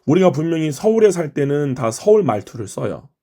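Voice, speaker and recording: A man's voice: on the high side, sing-song, a little fast, warm tone. A middle-aged man from Chungcheong, Korea, leading a morning prayer and explaining his sermon in an earnest, teaching way. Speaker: pastor.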